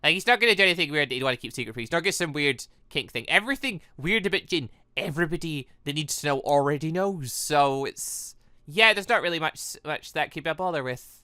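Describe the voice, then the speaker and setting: A video game let's-player giving rambling, excitable, casual commentary while playing. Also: mid-range voice, quick pace, dry recording, clean studio sound. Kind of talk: casual gameplay commentary and read-aloud.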